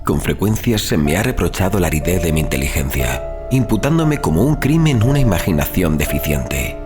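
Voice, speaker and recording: An actor playing a grave, rational, educated traveler telling his story in solemn, measured, formal literary narration for an audio drama. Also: deep voice, very animated. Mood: grave, confessional. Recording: music playing behind the voice. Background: background music.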